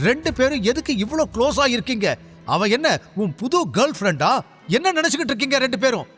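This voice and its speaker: A man voicing a furious young wife who accuses her husband, shouting and close to tears. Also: extremely high pitch, big pitch swings, quick pace, husky, faint music behind, pitched above the performer's own voice, full character voice. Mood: angry, accusing.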